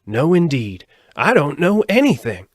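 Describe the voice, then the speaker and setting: A man voicing a friendly, earnest, brainless straw scarecrow from a storybook, with a husky voice and emphatic, swooping delivery. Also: on the high side, wildly swooping pitch, a little slow, no room sound, studio quality, voice pushed up, full character voice. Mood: plaintive, earnest. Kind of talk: storybook character voice.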